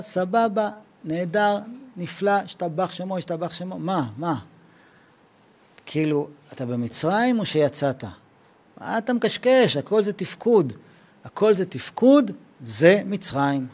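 A man's voice: a little high, a little mellow. A man giving a Passover Torah lesson in a conversational, slangy way, acting out both sides of imagined conversations. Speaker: Torah teacher. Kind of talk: Passover lesson with acted dialogue.

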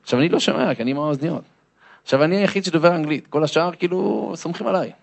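A man's voice: a little high, vocal fry. A man, a lecturer, telling a comic story to an audience and acting out the voices and sounds in it.

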